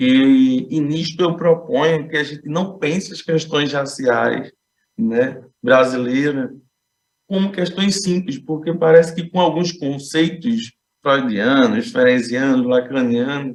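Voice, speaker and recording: Very slow and full of lively intonation, a man speaks with a fairly high pitch. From Brazil, Recife. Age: young. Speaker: psychoanalyst. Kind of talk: conference talk. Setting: conference panel.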